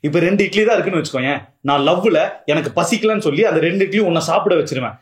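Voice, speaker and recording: Young man acting, exasperated blunt boyfriend in a comedy short, rapid delivery, roomy sound with loud music. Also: fairly high pitch, expressive, close to an everyday voice. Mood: blunt, candid. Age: young adult. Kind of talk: naturalistic colloquial phone dialogue.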